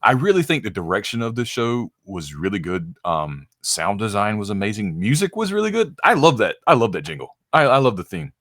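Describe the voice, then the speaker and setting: Male co-host, low voice, dry close sound, eager, stammering, filler-heavy. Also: big pitch swings, a little fast, few pauses, a bit bright, no room sound. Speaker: podcast co-host. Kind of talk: casual review chat.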